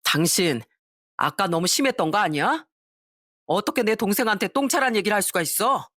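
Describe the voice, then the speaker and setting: A woman's voice: medium pitch, animated, brisk, fairly bright tone, dry recording, studio quality. A woman voicing an irritable, self-centered husband who complains and snaps. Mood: reproachful.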